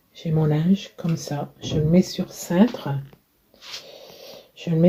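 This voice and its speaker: A soft-spoken woman with a fairly low pitch talks at a very slow pace with fairly even intonation. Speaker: childminder vlogger. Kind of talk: casual vlog. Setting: at home, laundry room. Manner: hesitant.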